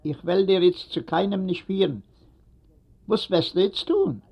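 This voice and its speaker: A man's voice: sits high, a little slow, vocal fry, darkish tone, full character voice. A man voicing a stern older synagogue caretaker who asks curt questions. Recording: dull lo-fi recording.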